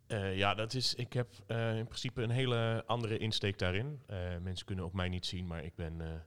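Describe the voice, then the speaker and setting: A man's voice: on the low side, steady tone, brisk, fairly bright tone, smooth. A Dutch man, a political candidate, talking in a casual panel with many fillers and restarts.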